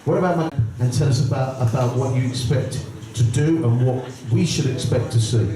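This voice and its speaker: Mellow host in an echoey hall. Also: male voice, mid-range voice, normal speed, slight background noise. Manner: chatty, promotional, asks questions. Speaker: press conference host. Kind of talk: press conference hosting. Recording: echoey room, distant mic.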